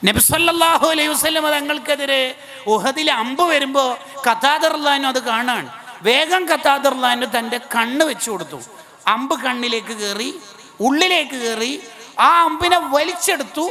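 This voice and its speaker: High, gravelly Kerala preacher man. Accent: Malayali, Kerala. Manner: swings between soft low asides and high pleading cries. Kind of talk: Islamic sermon with dramatic recitation.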